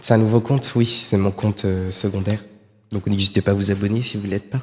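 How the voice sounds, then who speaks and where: In a southern French accent, a man speaks in a fairly low-pitched, somewhat breathy voice. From southern France. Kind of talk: casual, conversational.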